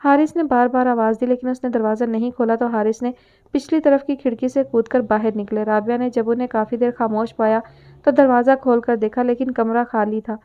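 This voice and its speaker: Female audiobook narrator, smooth, slightly high, narrow phone-like recording. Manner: steady storytelling read. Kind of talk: scripted novel narration.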